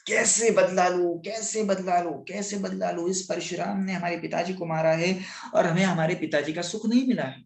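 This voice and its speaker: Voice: mid-range voice, fairly even intonation, normal speed, creaky, close to an everyday voice. A speaker voicing vengeful brothers in a scripture story, brooding over revenge in a seething, repetitive way. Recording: roomy echo.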